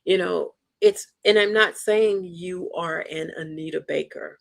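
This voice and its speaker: Gravelly-voiced enthusiastic woman host. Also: lowish voice, a little slow. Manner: enthusiastic, exclaims and laughs often. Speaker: podcast host. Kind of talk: casual interview chat.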